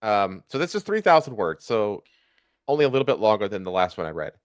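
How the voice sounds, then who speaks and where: A man's voice: fairly low pitch, sing-song, brisk, dry recording, clean studio sound. A man doing a comic reading of fan fiction on a stream, with casual asides.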